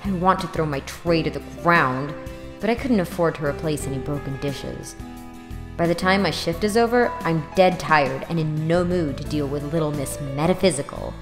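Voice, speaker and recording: Music plays clearly behind a lowish-voiced young woman played by an actress in a reverberant audio drama. She is a tired, sarcastic student who waits tables, and she narrates and talks with dry reluctance. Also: normal speed, close to an everyday voice. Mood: wry, weary. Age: young adult. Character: weary, sarcastic 24-year-old woman student and waitress narrating. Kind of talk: first-person audio drama narration and dialogue.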